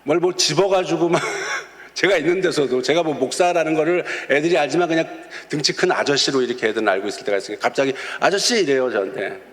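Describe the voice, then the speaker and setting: A man's voice: on the high side, quick pace, a bit bright. A man preaching a sermon as a pastor, telling stories and acting out quotes of kids, chuckling now and then. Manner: storytelling with acted quotes of kids. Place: church sanctuary. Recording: long church reverb.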